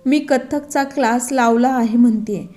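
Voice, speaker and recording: A shy middle-aged housewife who speaks haltingly, voiced by a woman. Her voice is high and soft-toned. It comes from a storybook reading. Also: close to an everyday voice. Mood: timid. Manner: hesitant, halting.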